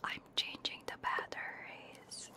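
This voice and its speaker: Slow, breathy whispering ASMR woman. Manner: soft, hushed, unhurried. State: sick with a cold. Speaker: ASMR streamer and host. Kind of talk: ASMR, casual livestream chat. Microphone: close binaural ear microphone.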